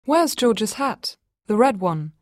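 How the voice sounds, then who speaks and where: A woman voicing an exasperated young mother who snaps and shouts at her husband. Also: big pitch swings, slow, no room sound, clean studio sound. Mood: irritated. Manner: shrill and frantic when arguing.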